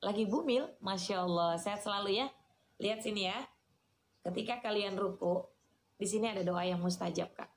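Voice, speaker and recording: A woman, giving a lively, chatty sermon and answering questions from the audience. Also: medium pitch, moderate pace, a little hiss or hum. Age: 40s. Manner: chatty, teasing, addresses listeners as "Kak". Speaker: Islamic preacher.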